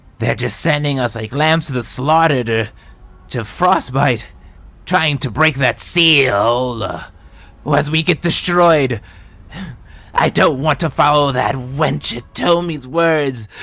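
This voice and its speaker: A man puts on a character voice at fairly high pitch. He goes at a fairly slow pace with long, frequent pauses. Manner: speaking in Abyssal.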